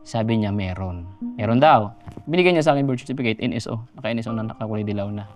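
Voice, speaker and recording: A man from Mindanao in his thirties, a guest in a studio interview, telling his life story in a soft voice that trails off quietly. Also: mid-range voice, rapid-fire, faint music behind. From Mindanao, Philippines.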